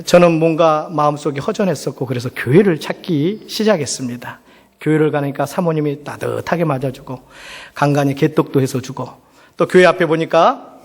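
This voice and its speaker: A middle-aged man, a pastor, giving a sermon as personal storytelling in a conversational way, often putting rhetorical questions. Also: a little high. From South Korea. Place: large church hall. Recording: reverberant hall sound.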